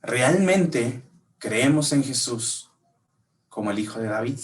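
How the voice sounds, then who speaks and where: Preacher, heard from afar. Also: male voice, mid-range voice, distant mic. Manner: storytelling, asks the listeners questions. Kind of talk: sermon. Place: church.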